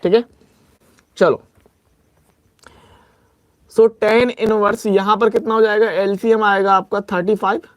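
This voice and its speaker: With a high-pitched, steady voice and no room sound, a young man teaches maths for exam preparation. He talks through each sum step by step, repeats warnings to be careful, dictates formulas slowly and rushes through his asides.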